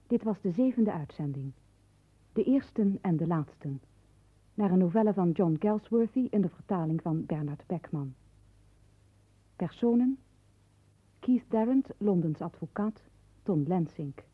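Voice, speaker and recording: A woman reading closing credits as a radio announcer, with formal, measured enunciation in a 1960s broadcast style. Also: on the low side, lively intonation, husky, no room sound. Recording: dull lo-fi 1960s radio recording.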